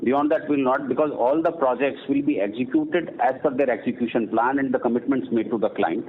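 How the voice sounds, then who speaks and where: A man's voice: medium pitch, a little fast. A man with an Indian accent answering firmly and emphatically as a senior company executive on an earnings conference call. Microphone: conference phone call. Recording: narrowband phone line with faint noise.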